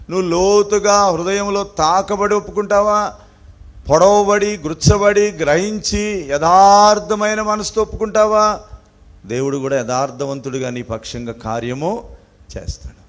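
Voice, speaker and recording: A man preaching a sermon with a Telangana Telugu accent, asking the congregation questions and swinging between loud emphatic peaks and quiet asides. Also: high-pitched. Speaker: pastor.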